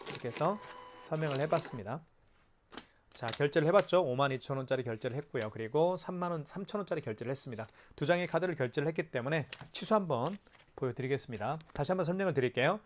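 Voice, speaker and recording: A man presenting a product in a hands-on tutorial, explaining step by step in an instructive way with rhetorical questions. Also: on the high side.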